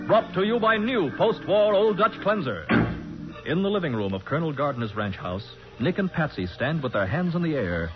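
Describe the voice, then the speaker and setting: A man announcing in a dramatic, scripted 1940s radio style. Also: on the high side. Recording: dull old radio broadcast recording. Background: music.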